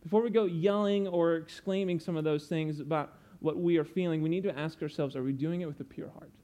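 A man's voice: a little high, steady tone, fairly quick, mellow. A young man preaching a sermon, earnest and explanatory, stopping to teach with asides.

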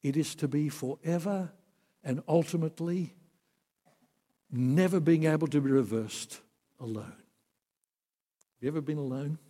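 A man preaching a sermon, earnest, swinging from emphatic peaks to soft, quiet passages. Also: a little high, a little slow, pauses often. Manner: earnest, rising to emphatic then dropping soft. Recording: long hall reverb.

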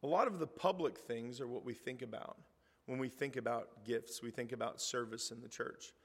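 Hoarse middle-aged male preacher, conversational delivery, mid-pitched, reverberant hall. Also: normal speed. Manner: conversational, reads scripture aloud with rising emphasis. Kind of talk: sermon.

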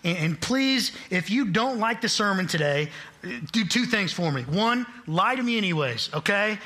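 In a church sanctuary, a Kansas man in his late twenties who works in college admissions preaches as a guest, delivering an upbeat sermon full of jokes and self-deprecation. His voice sits high with lively intonation, a moderate pace, and a pushed, bright quality.

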